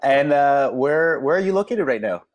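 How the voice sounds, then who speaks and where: A man's voice: fairly high pitch, expressive, moderate pace. A man hosting a podcast, reading a scripted introduction and then asking friendly questions with frequent restarts. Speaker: podcast host.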